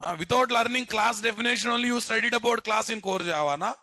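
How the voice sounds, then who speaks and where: Male programming teacher, Telugu Indian accent, forceful bright tone, dry close sound, scolding lecture style, rhetorical questions. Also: high voice, fast talker, dry recording, soft background music. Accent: Telugu Indian English. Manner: scolding, blunt, repeats himself, rhetorical questions and tag words. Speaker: programming instructor. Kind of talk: live classroom lecture to students.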